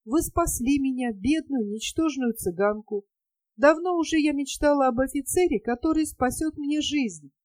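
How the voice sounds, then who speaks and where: A woman's voice: high-pitched, normal speed, a little mellow, dry recording, pitched above the performer's own voice, close to an everyday voice. A woman voicing an adoring, naive young female gypsy dancer in an audiobook, with a pleading, girlish, breathless manner.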